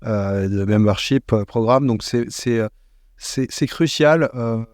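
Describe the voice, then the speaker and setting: A man speaking as an expert podcast guest in a conversational interview, explaining things in a measured way as he thinks aloud. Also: mid-range voice, a little mellow, no room sound.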